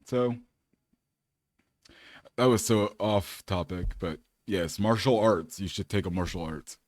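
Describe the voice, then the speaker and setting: Laid-back male fitness vlogger from California, low voice, dry close recording, rambles casually. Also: slow pace, darkish tone, no echo. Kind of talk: casual chat to camera.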